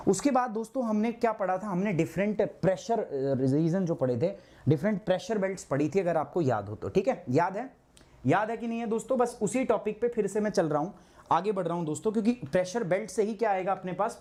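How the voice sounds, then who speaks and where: A hoarse man teaching a live online geography class, asking his students questions and answering them himself, with English terms mixed in. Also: sits high, a little mellow. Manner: clears his throat often.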